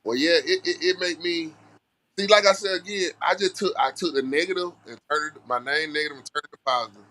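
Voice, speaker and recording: A man's voice: fairly high pitch, quick pace, sharp tone, poor audio. A man from Alabama with a Southern Black American accent, chatting casually and earnestly in a folksy way as an interview guest. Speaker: music artist guest.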